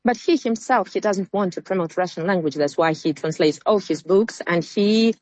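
A woman's voice: fairly low pitch, moderate pace, a little mellow, no echo. A woman from Ukraine, a guest commentator, arguing in non-native English with loose grammar. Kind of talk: heated debate argument. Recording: dull remote line.

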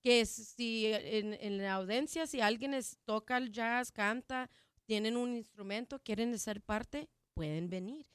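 A woman's voice: fairly high pitch, fairly bright tone, clean tone, no echo, clean studio sound. A woman whose first language is English, speaking Spanish in a casual interview about her jazz program, with frequent restarts and fillers. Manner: halting, many restarts and fillers.

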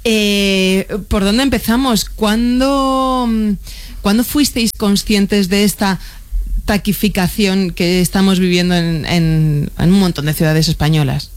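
A woman's voice: medium pitch, steady tone, takes it slowly, clean tone. A woman hosting a radio talk show in a studio, conversational presenting. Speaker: radio host.

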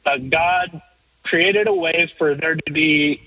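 A caller's voice comes through a muffled, dull phone line that keeps breaking up and chopping the ends off his words. He is a man with a slightly higher, husky voice. He talks in an earnest, long-winded way, restarting his sentences as he goes. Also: takes it slowly, dry recording. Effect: phone line breaking up, words cutting out. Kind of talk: call-in question on a radio show.

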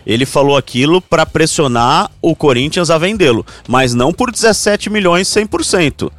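A man talks football on a sports show. His voice sits a little high, and he explains things in an even, methodical way. The sound is close and dry. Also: moderate pace, no echo. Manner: steady, explanatory, cites figures. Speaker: sports radio commentator. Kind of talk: sports talk show discussion.

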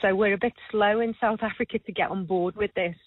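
A woman's voice: mid-range voice, steady tone, brisk. A woman with an Irish accent calling in to a radio show, speaking earnestly and from the heart. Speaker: caller. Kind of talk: phone-in call to a radio show. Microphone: telephone. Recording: tinny phone line.

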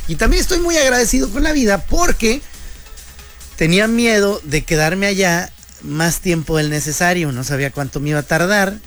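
A man's voice: high voice, lively intonation, normal speed, a bit bright, faint music behind. A man, hosting a radio show in a joking, slangy monologue. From Mexico. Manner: joking, slangy, playful banter. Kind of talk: casual comedic radio monologue.

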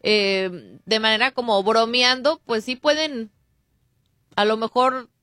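High-voiced woman reading news. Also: slow pace, sharp tone, dry recording. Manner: conversational, bantering with the host. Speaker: radio co-host reading the news. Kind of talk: comic news segment.

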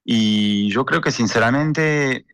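A man's voice: medium pitch, slow pace, a bit bright, clean tone, dry recording, studio quality. A man in his forties, a sports journalist from France with a mixed French and Argentine accent, answering interview questions with many fillers and repeats. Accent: French and Argentine mix.

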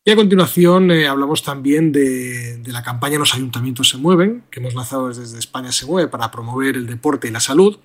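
A man, a guest from a sports organization, giving a steady rundown of a program's contents. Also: mid-range voice, a little fast, hardly any pauses. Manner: steady rundown with some fillers.

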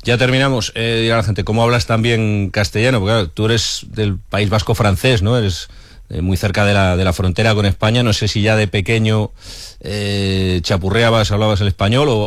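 A man's voice: lowish voice, steady tone, fairly quick, no room sound, studio quality. A male sports radio interviewer asking questions in a conversational way, often ending with tag questions.

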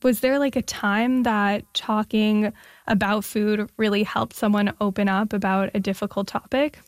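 A woman's voice: mid-range voice, level tone, normal speed, dry recording. Woman host in dry studio sound. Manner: friendly, conversational with some fillers. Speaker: radio host. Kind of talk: interview.

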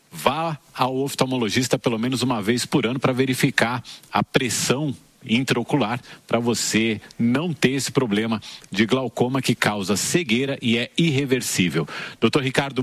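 A man's voice: mid-range voice, dry recording. A man hosts a radio interview and asks his questions in several parts. His voice is close and dry, with no room sound.

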